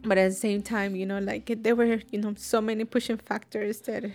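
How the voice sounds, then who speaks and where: A woman in a heartfelt conversation, speaking softly and reflectively, sometimes dropping to a near whisper. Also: mid-range voice, little pitch movement, a little fast. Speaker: interview participant.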